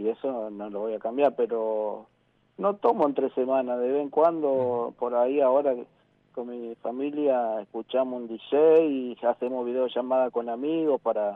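A man talks at a fairly slow pace in a plain, everyday voice. His pitch is medium and varies in an ordinary way. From Argentina, Santa Fe. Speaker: professional footballer. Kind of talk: casual interview. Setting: phone call.

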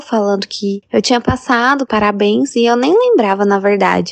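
An unremarkable speaking voice, a woman's fairly high pitch, ordinary pitch variation, moderate pace, and a dry, close sound with no echo. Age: 30s. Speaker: hematologist and cancer survivor. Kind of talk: testimony.

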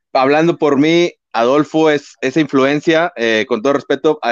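In a northern Mexican accent, a man talks at a moderate pace with fairly high pitch and ordinary pitch variation, the sound dry and close with no echo. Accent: northern Mexican (Monterrey). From Monterrey, northern Mexico. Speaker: podcast co-host. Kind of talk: casual interview.

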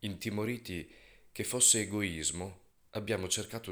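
A man with an unremarkable speaking voice, fairly low in pitch and fairly slow, on a very clean recording with a silent background. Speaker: prayer leader, religious figure. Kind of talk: fervent spoken prayer addressed to God, devout and meditative, in the first person plural.

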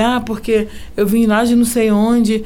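The voice has a monotone, flat intonation. Audible echo fills the room. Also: woman. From Rio de Janeiro, Penha (Brazil). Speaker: theatre curator. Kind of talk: casual interview.

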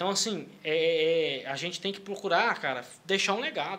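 A man with a high voice is heard against noticeable background noise. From Goiás, Brazil. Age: 20s. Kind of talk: casual interview with preaching.

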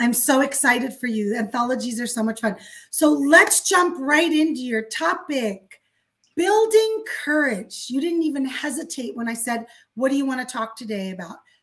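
A woman speaks in an animated tone at a high pitch. Her pitch swings very widely. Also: moderate pace. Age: 50s. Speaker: podcast host and business coach. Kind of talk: interview.

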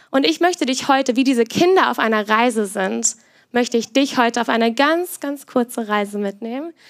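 Speaking at a fairly quick pace in a high pitch, a woman sounds animated, her intonation lively, on a very clean recording with a silent background. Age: 20s. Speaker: student teacher giving a sermon. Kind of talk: sermon.

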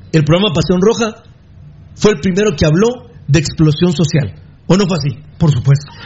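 A man's high-pitched voice with lively intonation and long, frequent pauses. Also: moderate pace. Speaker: sports radio co-host. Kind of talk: radio talk show.

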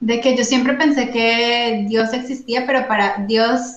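Against noticeable background noise, a woman with a high voice speaks very slowly with fairly even intonation. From Colombia. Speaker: real estate agent. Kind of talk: interview with personal testimony. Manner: hesitant, many fillers.

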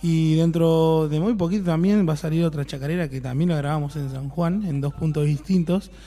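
A man speaks in a dark, mellow tone at a fairly high pitch. His moderate pace has hardly any pauses, and his intonation is fairly even. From Argentina, Buenos Aires province. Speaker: folk musician. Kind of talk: radio interview. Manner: halting, with filler sounds.

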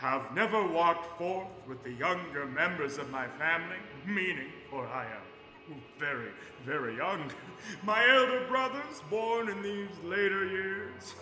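Using a put-on character voice, a man speaks fairly slowly at a high pitch, with clear echo and clear background noise. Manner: hearty, welcoming, expansive.

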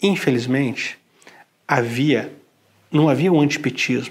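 The man's voice sits fairly high. It is somewhat breathy. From Brazil, Curitiba (Paraná). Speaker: investigative journalist. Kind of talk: interview testimony.

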